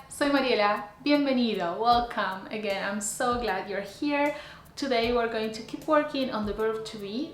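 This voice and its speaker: A slightly high-voiced woman in her thirties gives a lesson to camera, slowing down for each example phrase. She speaks clearly and deliberately. The small room sounds echoey, with faint music underneath. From Argentina. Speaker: Spanish teacher. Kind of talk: scripted language lesson to camera. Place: small indoor room before a plain grey wall. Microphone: camera framed head and shoulders.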